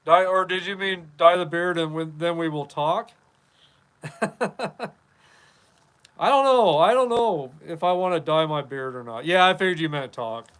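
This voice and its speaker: Fifty-something guy from wyoming rambling on his live cigar podcast, kinda high smooth voice. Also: a little slow, pauses often, a bit bright. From Wyoming, USA. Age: 50s. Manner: rambling, chatty, reads viewer comments aloud. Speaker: podcast host. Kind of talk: casual live-stream chat.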